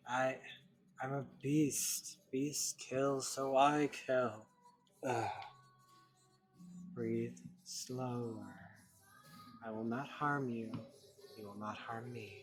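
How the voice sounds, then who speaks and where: A man voicing a calm, gentle woman who speaks softly and soothingly. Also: medium pitch, low-quality recording. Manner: soft and soothing.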